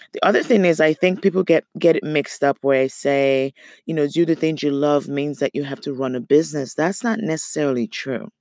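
Earnest woman with a slightly raspy voice. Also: sits low, a little mellow, dry recording, studio quality. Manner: earnest and encouraging, repeats phrases for emphasis. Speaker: podcast host. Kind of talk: motivational solo podcast talk.

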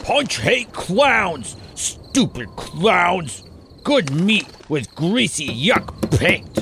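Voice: medium pitch, very animated, very slow, gravelly, a bit bright, full character voice. An actor voicing a dim, brutish, hungry monster that talks in blunt broken phrases for an audio drama. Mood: surly, hungry. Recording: noisy, with crickets behind.

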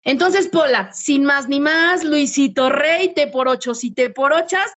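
Mexican woman, podcast host, high voice, slangy and playful. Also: unhurried, a little hiss or hum. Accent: Mexican Spanish. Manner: slangy, playful, swings into lively voiced quotes. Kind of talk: casual podcast chat.

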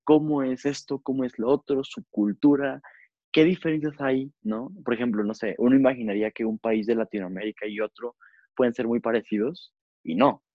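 A man's voice: medium pitch, a little fast, no echo. A young man with a Mexican accent hosts a casual podcast. He rambles along with plenty of fillers. The recording is dry and a little muffled. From Zacatecas, Mexico. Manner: chatty, rambling with many fillers. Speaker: podcast host. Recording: dull, lo-fi.

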